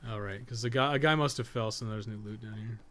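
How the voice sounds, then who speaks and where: While livestreaming a game, a man chats casually with viewers, rambling, rephrasing himself and swearing offhandedly. His voice is lowish, quick and fairly bright.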